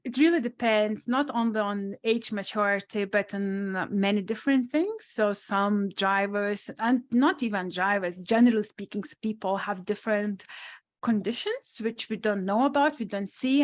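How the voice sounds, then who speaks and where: A woman's voice: mid-range voice, moderate pace. A woman with a strong non-native accent, a sports psychologist answering questions on a webinar panel in a thoughtful, restarting way. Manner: thoughtful, many restarts and asides.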